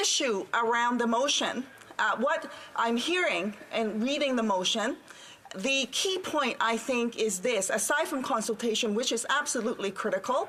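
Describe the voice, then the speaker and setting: Against noticeable background noise, a woman with a high-pitched voice and a Chinese accent uses lively intonation while holding her loudness very even. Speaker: member of parliament. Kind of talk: parliamentary debate question. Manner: hesitant, many fillers.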